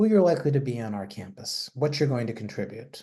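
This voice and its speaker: Fairly high for a man, his voice carries a dark, mellow tone, sounds somewhat breathy, and moves at a fairly quick pace with lively intonation. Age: 60s. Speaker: college admissions counselor. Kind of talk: webinar Q&A advice. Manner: conversational, with fillers.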